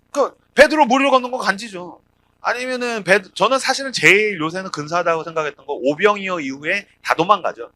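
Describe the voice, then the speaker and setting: A man in his thirties preaching a lively sermon at a youth retreat, acting out the voices of people in the stories and joking with the young crowd. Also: sits high. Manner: animated, acts out quoted voices, jokes with the crowd. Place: retreat prayer hall.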